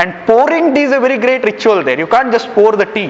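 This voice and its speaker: A man speaks with an Indian accent. There is noticeable background noise. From India, coastal Karnataka (Tulu-speaking). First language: Tulu. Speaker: university lecturer. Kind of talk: lecture. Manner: conversational, interactive.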